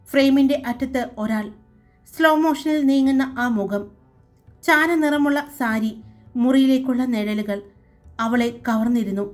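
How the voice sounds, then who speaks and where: A woman with a high voice narrates a story in a calm, dramatic manner. Faint music plays underneath as she reads the scripted narration at an even pace.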